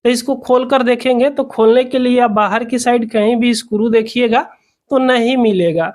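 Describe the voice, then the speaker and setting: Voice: medium pitch, normal speed. A person explaining a repair step by step in an instructional, repetitive way, as the host of a tutorial.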